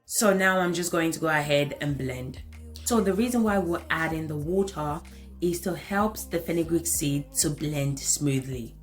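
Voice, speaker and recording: A woman's voice: low voice, normal speed, soft background music. A woman in her thirties with an African accent, giving an enthusiastic hair care tutorial voice-over and repeating phrases for emphasis.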